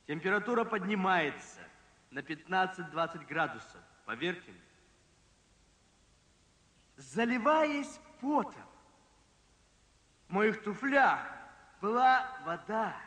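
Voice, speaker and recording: A man preaching a sermon, telling a story with emphasis, slowing down and dropping low at dramatic moments. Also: sing-song, pushed and bright. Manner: emphatic, slows and drops pitch for drama. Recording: long reverb from a large hall.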